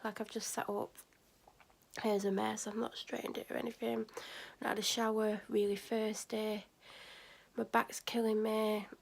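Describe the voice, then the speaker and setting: A woman's voice: mid-range voice, level tone, measured pace, creaky. A woman vlogging while sick and exhausted, with a sore throat, rambling tiredly with many fillers. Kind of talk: casual vlog chat. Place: bedroom at night, then out by a shop.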